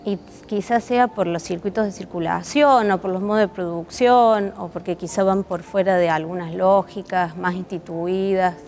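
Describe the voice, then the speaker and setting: Soft background music plays as a woman with a Córdoba Argentine accent, a puppet theatre artist, answers an interviewer thoughtfully, hunting for words and rephrasing. Her lowish, slightly mellow voice stays steady at a moderate pace, with hardly any pauses.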